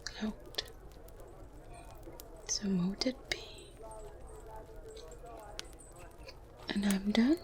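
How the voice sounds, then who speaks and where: A woman playing a kindly medieval witch in an ASMR roleplay, softly spoken and breathy, gentle and deliberate with small murmured hums. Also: mid-range voice, background noise, close to an everyday voice. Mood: solemn incantation. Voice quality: soft, breathy whispering. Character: kindly, unhurried medieval witch at her grimoire.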